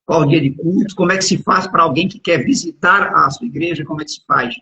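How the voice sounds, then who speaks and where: Really husky guy hosting a live chat, stumbles and repeats words, muffled lo-fi audio. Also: a little high, fast, bright, forceful tone. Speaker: podcast and radio host. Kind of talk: informal live interview. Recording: dull lo-fi internet call audio.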